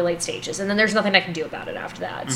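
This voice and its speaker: A woman at a medium pitch, with ordinary pitch variation, over noticeable background noise. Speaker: optometrist, podcast guest. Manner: fast talker.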